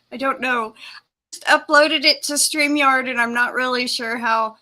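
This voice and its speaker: Woman, live-stream host, chatty, laughs often, higher voice, very bright tone. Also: steady tone, takes it slowly. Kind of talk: casual live-stream chat, reading out viewer comments.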